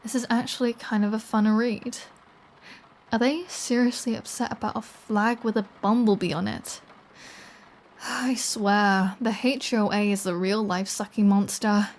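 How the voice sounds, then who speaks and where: A woman's voice: mid-range voice, fairly even intonation, unhurried, close to an everyday voice. A woman playing a flirty, playful vampire with a threatening edge, in a teasing, sardonic ASMR audio roleplay. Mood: teasing, nosy. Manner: teasing, sardonic, lingering delivery. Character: flirty, playful, threatening adult female vampire toying with a hunter. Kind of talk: scripted ASMR audio roleplay, one-sided conversation.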